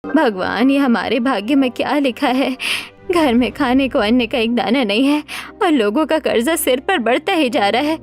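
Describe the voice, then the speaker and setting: A woman's voice: sits high, moderate pace, soft background music, close to an everyday voice. A woman voicing a poor older mother-in-law in a cartoon story, blunt and scolding. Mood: despairing.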